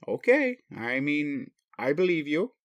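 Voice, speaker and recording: Man playing a gentle, bemused alien daddy, close and dry. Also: fairly high pitch, very animated, no echo, highs cut off. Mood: incredulous, musing. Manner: indulgent and bemused, with drawn-out questioning and hesitations. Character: gentle, puzzled alien daddy, adult male spaceship commander. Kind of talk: intimate roleplay audio, speaking to one listener.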